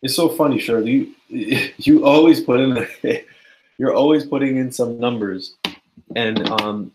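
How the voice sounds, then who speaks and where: In this poorly recorded clip, a forex trading educator with a lowish voice analyzes charts on a casual live stream. He sounds sleepy and yawns, rambling loosely with lots of fillers and calling his viewers "guys."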